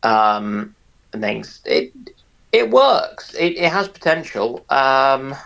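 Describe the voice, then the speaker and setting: Halting mid-pitched man. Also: big pitch swings, creaky, a bit bright, low-quality recording. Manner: halting, circling back over phrases. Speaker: discussion panellist. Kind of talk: casual explanatory chat.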